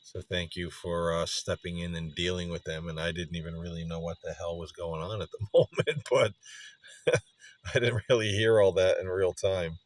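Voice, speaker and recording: Middle aged guy w really deep voice, dry recording, talking earnestly to a spirit, stops and starts mid sentence. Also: level tone, normal speed, no echo. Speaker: spirit box session host. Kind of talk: slow reflective monologue addressed to a spirit.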